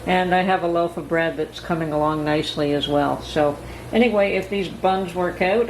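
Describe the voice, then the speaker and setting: Middle-aged woman with a low, gravelly voice, chatting slow and calm in her kitchen, echoey and a bit noisy. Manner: calm, unhurried, thoughtful with pauses. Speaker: homestead channel host. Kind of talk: casual kitchen vlog chat. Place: home kitchen. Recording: echoey room with noticeable background noise.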